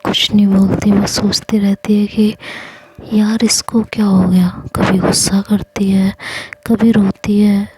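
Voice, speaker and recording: A woman narrating a love story in a soft, whispered voice, as an audio storyteller. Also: medium pitch, flat delivery, slightly rough. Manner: soft half-whisper, unhurried.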